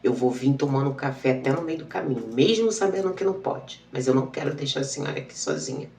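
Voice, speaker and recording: A woman's voice: extremely low pitch, fast, mellow, echoey room, recorded from a distance, a little hiss or hum. A woman, telling a personal story and acting out the dialogue. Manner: emotional, repetitive retelling with quoted dialogue. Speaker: channel host.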